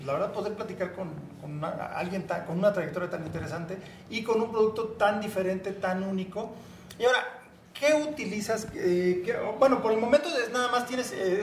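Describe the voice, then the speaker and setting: A man with a high voice hosts a podcast in a casual, encouraging way. He often completes his guest's thoughts. The recording sounds roomy, with a faint hiss. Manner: warm encouraging interviewer, finishes guest's sentences. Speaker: podcast host. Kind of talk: casual interview chat. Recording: roomy echo, faint noise.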